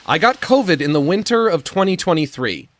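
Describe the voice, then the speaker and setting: Male streamer, squeaky and breathless; slurred, lisping delivery with stammers, slow self-mocking pace. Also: sing-song. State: short of breath, gasping before sentences. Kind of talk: prerecorded monologue.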